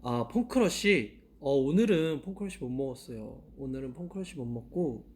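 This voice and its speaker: A young man in his twenties hosts an idol live stream, chatting casually with fans into a handheld mic. He laughs often and asks himself questions out loud. His medium-pitched voice is expressive and a little mellow, at a moderate pace.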